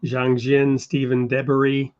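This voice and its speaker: Male interview host, measured and thoughtful, mid pitch, dull lo-fi sound. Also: monotone. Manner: measured, thoughtful with frequent fillers. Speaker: show host. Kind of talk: interview conversation.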